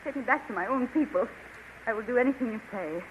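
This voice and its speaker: A woman's voice: on the high side, animated, fast talker, highs cut off, lightly acted. A woman voicing a proud alien queen who begs for her life, in theatrical 1930s radio drama style. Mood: pleading. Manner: pleading, theatrical. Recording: hissy 1930s radio recording.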